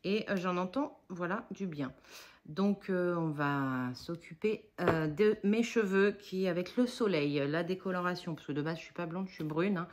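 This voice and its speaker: A woman's voice: on the low side, normal speed, darkish tone. A woman in her forties chatting casually in a haul vlog, rambling and self-mocking, with many fillers. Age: 40s. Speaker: budget haul vlogger.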